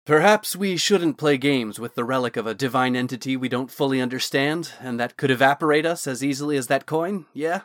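A man's voice: medium pitch, fairly quick, few pauses, a bit bright, no room sound, studio quality, natural voice. A man voicing a wary male adventurer who speaks in a pointed, cautious way.

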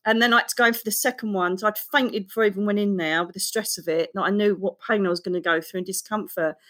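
Speaking at medium pitch, a woman appearing as a guest author shares personal experiences openly during an interview. She narrates quickly, with a lot of feeling and expression.

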